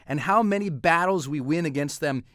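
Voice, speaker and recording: A man's voice: fairly high pitch, moderate pace, fairly bright tone, dry recording, clean studio sound. Male reader, upper-register voice, declamatory manifesto delivery, very little room. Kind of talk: motivational manifesto reading.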